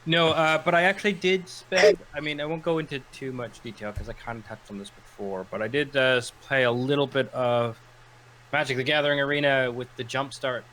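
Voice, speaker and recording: Rambling, animated male podcast co-host. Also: medium pitch, fairly quick, low-quality recording. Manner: rambling, animated storytelling with acted-out quotes. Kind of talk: casual chat.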